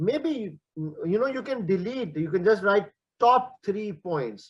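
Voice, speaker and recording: The delivery is very slow, with lively intonation throughout. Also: man, high pitch for a man. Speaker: accountancy exam tutor. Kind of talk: online webinar lecture. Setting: online webinar.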